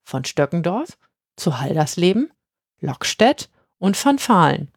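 A woman voicing an eccentric female Christmas witch who speaks in exaggerated courtly phrases with high, squeaky swoops. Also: very animated, a little slow, slightly rough, no room sound, studio quality, full character voice. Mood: chatty.

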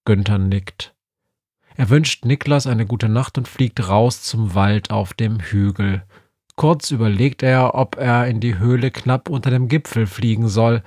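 A man narrating an audiobook in a calm, measured way, recorded on a close studio mic. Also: medium pitch, no room sound. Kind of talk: scripted narration.

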